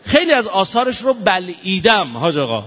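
A man giving a playful, animated sermon to a live audience, prompting applause, in a dull recording with long hall reverb. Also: high-pitched. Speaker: religious speaker.

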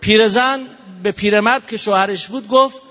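A man preaches animatedly and playfully to a live audience and keeps prompting them to applaud. His voice is very high and bright. It carries a long hall reverb on dull, muffled audio. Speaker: religious speaker. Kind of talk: lively sermon to a live audience.

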